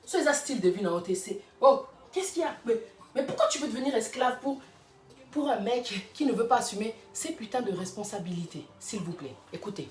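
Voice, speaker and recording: A woman's voice: a little high, animated, brisk, darkish tone. A woman, speaking in an emphatic, fiery casual rant and repeating rhetorical questions. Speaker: vlogger. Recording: roomy sound from a distant mic.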